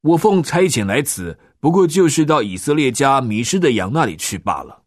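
A man voicing a calm, earnest teacher who answers a pleading woman in a storybook reading. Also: mid-range voice, no echo, clean studio sound, voice pushed up. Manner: earnest, measured. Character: calm, earnest male teacher of disciples, adult.

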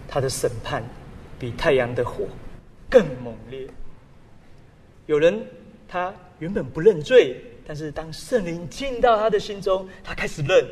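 A man preaching a sermon as a pastor, animated and full of rhetorical questions. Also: high-pitched, in a large hall.

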